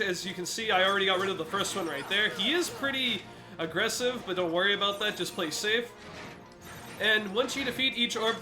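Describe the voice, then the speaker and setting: A congested man giving let's play commentary, explaining a game boss fight step by step to viewers. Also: high voice. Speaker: gaming commentator.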